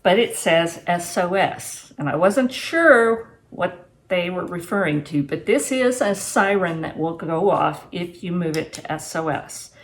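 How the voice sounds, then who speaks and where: A woman's voice: fairly low pitch, expressive, unhurried. A woman in her sixties talking casually and unscripted to camera in a home kitchen, plain-spoken and reflective, like a vlogger giving practical advice. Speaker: homesteading vlogger reviewing gear and giving advice.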